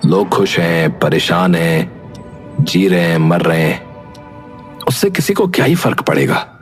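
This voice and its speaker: Low-voiced brooding young village man played by a man. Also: big pitch swings, measured pace. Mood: bitter, brooding. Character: troubled, quietly determined young village man. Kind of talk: dramatized audio story. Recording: music under the voice.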